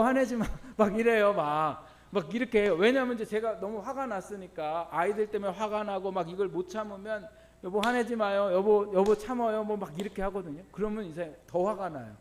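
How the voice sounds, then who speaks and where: High-voiced man preaching a sermon. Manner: asks the congregation questions and answers them himself; tells personal stories with laughter. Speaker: pastor.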